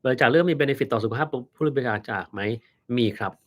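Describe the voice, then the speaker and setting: Blunt doctor answering questions on a live stream. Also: male voice, medium pitch, brisk. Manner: blunt, dry, reads questions aloud then answers.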